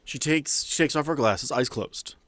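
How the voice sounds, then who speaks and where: A man's voice: medium pitch, normal speed, a bit bright, no echo. A man talking casually as game master and host of a tabletop role-playing podcast.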